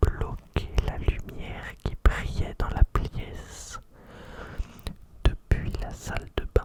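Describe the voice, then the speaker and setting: Whispered at a very slow pace with long, frequent pauses and big swings in loudness, the voice comes through noticeable background noise. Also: man. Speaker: ASMR creator reading stories. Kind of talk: ASMR story reading, horror. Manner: whispered, soft.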